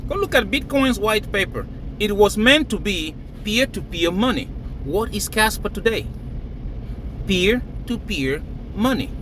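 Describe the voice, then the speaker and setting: A man's voice: high voice, bright, forceful tone, a little hiss or hum, low-quality recording. A man from Cameroon, raised in Nigeria, talking emphatically to camera and laughing between phrases. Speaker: crypto vlogger. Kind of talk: casual hype monologue to camera.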